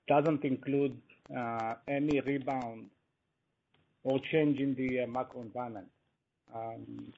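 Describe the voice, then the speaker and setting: A male company executive answering analysts on an earnings call, halting, with non-native phrasing. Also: medium pitch, a little mellow. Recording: muffled, noisy conference call line with clicks.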